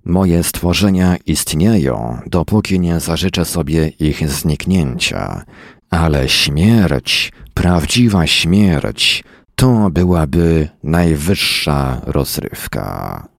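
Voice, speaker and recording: A man reading the lines of a cruel, childlike fiery alien being in a silky, slow, toying voice. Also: very deep voice, sing-song, creaky, no echo, clean studio sound, full character voice.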